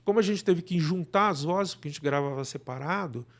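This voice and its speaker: A man's voice: on the high side, brisk, fairly bright tone. A man with a Brazilian accent explaining things in a casual interview, often checking in with short tag questions. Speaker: interview guest, audio drama producer.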